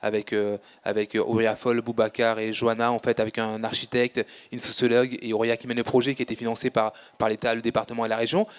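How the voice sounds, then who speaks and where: Monotone and flat in intonation, a man at a medium pitch rattles along at a very fast pace. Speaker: street photographer. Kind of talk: interview. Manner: halting.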